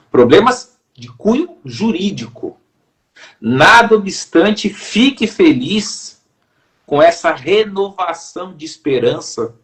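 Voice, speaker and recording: A middle-aged man with a Brazilian Portuguese accent, a judge speaking as an interview guest in a measured, formal and deliberate manner. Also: on the high side. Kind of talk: reflective interview talk.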